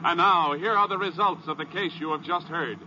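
An American male announcer reads formally in 1950s radio fashion. His voice sits a bit high, with music playing clearly behind him on a dull old recording. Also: brisk. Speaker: program announcer.

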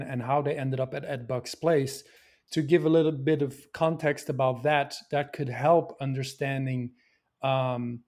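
A man from Belgium answers questions about his film in a mid-range voice. He talks earnestly and thoughtfully, often pausing with fillers and restarting his sentences. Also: mid-range voice, a little mellow. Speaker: filmmaker. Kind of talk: interview answers.

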